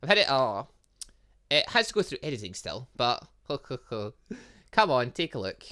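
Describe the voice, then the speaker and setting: A man voicing an excitable, flirty female romance novelist from a visual novel game, gushing and theatrical. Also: mid-range voice, measured pace, voice pushed down. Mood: eager. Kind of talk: visual novel game dialogue read aloud.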